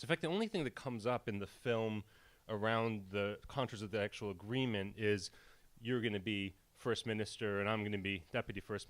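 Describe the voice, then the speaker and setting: A man moderating a live panel on stage, speaking haltingly and often rephrasing his questions as he goes. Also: fairly low pitch, fairly bright tone. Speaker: moderator, president of a peace-building organization. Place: on stage at a film premiere event.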